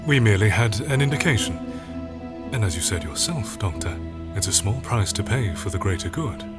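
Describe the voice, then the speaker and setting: An actor playing a smug, calculating senior official in a science fiction audio drama, formal and measured. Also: male voice, fairly low pitch, animated, loud music behind the voice, lightly acted. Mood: smooth, evasive.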